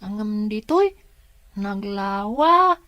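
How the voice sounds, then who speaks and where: Actress as young boy, inquisitive and polite, unhurried delivery, dry sound, Ilocano drama. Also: mid-range voice, sing-song, no room sound, lo-fi sound. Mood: eager, polite. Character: curious, chatty, polite young boy named Barok. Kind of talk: Filipino radio drama acting in Ilocano.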